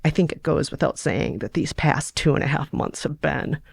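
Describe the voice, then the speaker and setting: A woman's voice: low-pitched, normal speed, creaky, husky, full character voice. A woman reading aloud as an earnest, smitten young male race driver in a romance story, tender and open.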